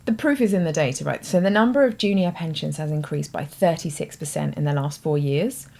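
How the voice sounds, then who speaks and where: A British woman hosts her own show, talking to camera as she explains ideas in a thoughtful, conversational way, with hedging asides. Her voice is low and gravelly with a darkish tone, and she speaks fairly quickly.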